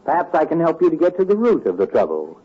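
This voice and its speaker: A dry, sarcastic old town doctor from a radio comedy. The voice is a bit high and swings widely in pitch. It comes through muffled, like an old broadcast. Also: male voice, wildly swooping pitch, quick pace, husky, heavily acted. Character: sardonic bickering older town doctor.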